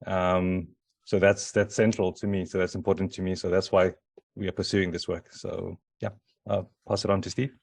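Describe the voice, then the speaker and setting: Middle-aged presenter from Zimbabwe, flat and monotone, dry close sound, hesitant delivery. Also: male voice, low-pitched, normal speed, vocal fry, dry recording. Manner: hesitant, many fillers and restarts. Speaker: conference presenter. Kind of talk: conference talk.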